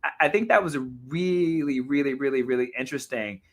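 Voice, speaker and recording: Hosting a live talk show, this man reacts to viewer comments in casual, brisk chatter at a medium pitch. He sounds slightly hoarse and animated, often correcting himself.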